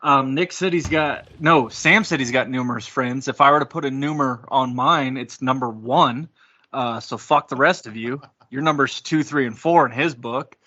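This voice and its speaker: A man's voice: mid-range voice, moderate pace, pushed and bright, no room sound, muffled recording. A man in his thirties bantering casually as a podcast player, cocky and teasing. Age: 30s.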